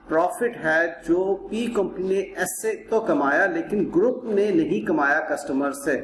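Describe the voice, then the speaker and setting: A Pakistani man gives a classroom lecture in a slightly high voice, taking his time over each step. He is didactic, restating points and putting questions that he answers himself. The recording is roomy and echoing, with noticeable noise. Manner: didactic, repeats points and asks rhetorical questions. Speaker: accounting teacher. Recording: roomy echo with clear background noise.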